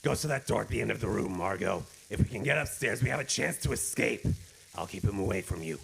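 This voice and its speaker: Mysterious radio crimefighter, very creaky gravel voice, booming, dramatic swings. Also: male voice, lively intonation, fast talker, a little hiss or hum, low-quality recording. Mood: urgent. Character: commanding, mocking mysterious male crime-fighting avenger. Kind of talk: old-time radio drama acting.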